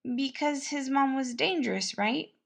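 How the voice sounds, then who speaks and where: A sweet, eager young male cook played by a woman speaks in a raised, high voice. He is gentle and reassuring, bubbling along with small hesitations, in the manner of an audiobook fantasy tale. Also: unhurried, vocal fry. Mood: curious, unsure. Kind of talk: acted dialogue in fan-fiction audiobook.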